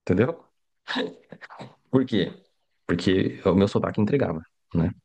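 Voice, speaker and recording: In a live online language class, a middle-aged Mandarin teacher chats casually with his students, checking in often and sprinkling in tag questions. He speaks slowly in a low, warm, slightly rough voice with vocal fry, and the recording sounds lo-fi.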